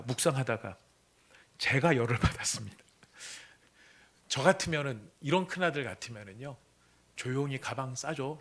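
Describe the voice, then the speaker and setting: Male senior pastor, sermon, bright tone, dramatic swings from hush to shouting. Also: medium pitch, breathy edge. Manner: dramatic, swings from hushed whispers to loud outbursts when voicing the son. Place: church sanctuary.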